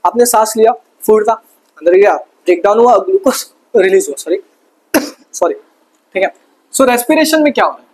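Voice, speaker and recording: A man teaching a fast exam revision lesson, casual and chatty, asking quick questions and answering them himself. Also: high voice, expressive, low-quality recording. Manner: quizzes himself with quick call-and-response questions. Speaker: science tutor.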